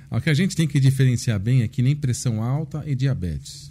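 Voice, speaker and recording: A man with a medium pitch talks at a moderate pace in a dark, mellow tone that is somewhat breathy. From São Paulo, Brazil. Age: 40s. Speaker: endocrinologist. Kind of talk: interview on health. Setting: studio.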